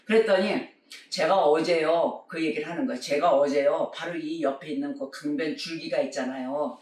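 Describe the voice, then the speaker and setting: A man's voice: a little high, a little fast, darkish tone, recorded from a distance. A man preaching a sermon, telling a story emphatically and acting out the people in it. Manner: emphatic, acts out quoted speakers. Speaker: pastor. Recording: echoey room, voice from afar.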